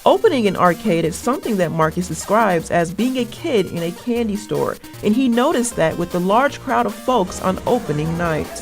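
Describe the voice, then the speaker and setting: A woman's voice: medium pitch, lively intonation, normal speed, hardly any pauses. A young woman reads scripted local news packages as a student reporter. She is in her twenties and presents stories in a reporter's narration, with some music behind her. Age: 20s.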